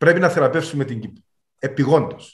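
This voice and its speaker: A fairly high-pitched man speaks at a moderate pace, somewhat breathy, with ordinary pitch variation. There is audible room echo against a quiet background. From Cyprus, Nicosia area; Cyprus. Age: 50s. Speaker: former TV executive, political candidate; candidate. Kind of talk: interview. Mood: earnest, persuasive. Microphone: video call.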